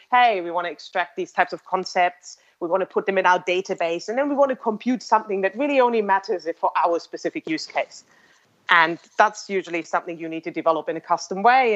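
Here a language-tech developer, a woman whose native tongue is German, chats as an interview guest and explains things in a relaxed way. Her low voice is hesitant and thoughtful, with lots of ums, restarts and small laughs, all on muffled lo-fi sound.

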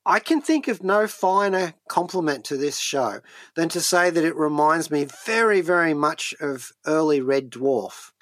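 A man's voice: fairly high pitch, lively intonation, measured pace, fairly bright tone, no echo. A man chatting as a radio co-host and reviewer, hesitantly repeating words as he goes. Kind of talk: conversational review chat. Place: radio studio.

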